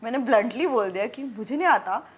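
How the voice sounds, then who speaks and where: Candid young woman, slightly high voice. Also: expressive, brisk. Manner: chatty, candid, mixes English into her Hindi. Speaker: actress and guest. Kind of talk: casual interview chat in Hindi and English.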